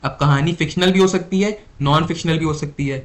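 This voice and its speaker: A young male tutor talks through exam material on a close mic. His voice sits a little high. He repeats each definition slowly and keeps checking with questions. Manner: repeats key definitions slowly, quizzing listeners. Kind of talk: Hindi-English exam lecture.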